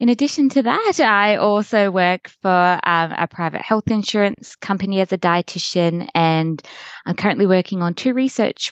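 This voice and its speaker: With an Australian accent, a woman speaks at a moderate pace with lively intonation, in a dry, close sound with no echo over a quiet background. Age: 30s. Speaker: dietitian. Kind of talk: interview.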